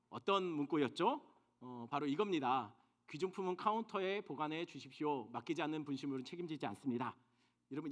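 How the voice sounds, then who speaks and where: Male pastor, sermon delivery, high voice, big swings in pitch, questions the pews. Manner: animated preaching, asks the congregation questions. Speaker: senior pastor. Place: church sanctuary.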